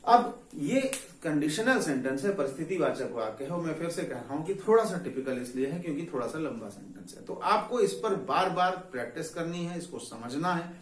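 A man teaching English grammar, slowly dictating example sentences in a classroom lesson. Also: a little high, expressive, slight background noise. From India. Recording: echoey room, voice from far off the mic.

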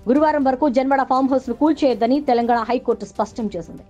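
A woman's voice: high-pitched, very fast, dark tone. A woman reading a scripted news voice-over as narrator. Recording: dull lo-fi audio under music. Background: background music bed.

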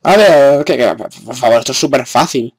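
A man's voice: medium pitch, animated, normal speed, a little mellow, slightly rough. A young man with a Spain Spanish accent giving gameplay commentary, sarcastic and exasperated, with frequent cursing. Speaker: gamer.

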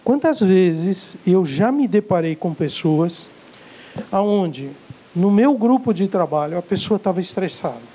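A man with a Brazilian Portuguese accent gives a live sales-coaching lecture to an audience, emphatic and repetitive, stressing key words and acting out short dialogues. His high, expressive voice is warm and a little slow, on a rough recording.

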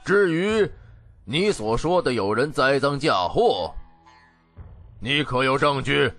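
An actor playing a stern, imperious, quick-to-anger king in an ancient fantasy audiobook drama, cold and commanding. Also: mid-range voice, lively intonation, a bit bright, soft background music. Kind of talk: Chinese audiobook drama acting.

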